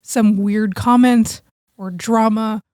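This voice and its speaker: A woman with a fairly high voice chats informally as a podcast co-host, talking in loose, slangy phrases. The sound is dry and close, with very little echo. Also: fairly even intonation, slow, darkish tone. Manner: informal, peppered with slang and mild swearing. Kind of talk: casual podcast chat.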